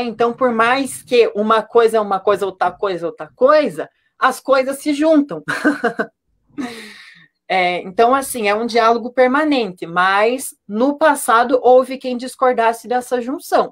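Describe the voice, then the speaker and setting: A man's voice: extremely high pitch, a bit bright. A Brazilian man teaching an informal live online lesson in a conversational, explanatory manner.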